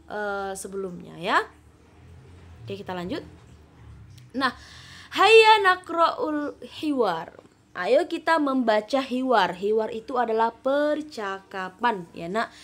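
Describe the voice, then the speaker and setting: A woman teaching a children's lesson, her voice high and swinging widely in pitch. She speaks slowly and patiently, coaxing her young pupils along as she explains. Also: fairly bright tone. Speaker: primary school Arabic teacher. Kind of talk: recorded online lesson for children.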